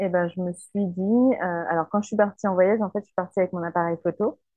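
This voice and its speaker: A woman speaks at a medium pitch with ordinary pitch variation, in a plain, everyday voice. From Paris region, France. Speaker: coach and eco-site founder. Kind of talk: interview.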